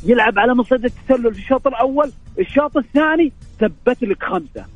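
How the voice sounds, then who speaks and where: Hoarse excited caller. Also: male voice, very high-pitched, fast talker, lo-fi sound, soft background music. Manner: excited, emphatic, swears oaths. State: hoarse, voice nearly gone.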